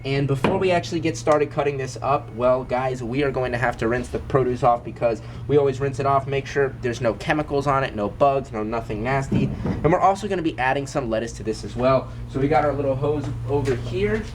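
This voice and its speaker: A young zoo owner, congested from a cold, vlogs enthusiastically outdoors at an animal food station, often calling his viewers "guys." He speaks at medium pitch and a little fast over a noisy background of screaming birds and monkeys.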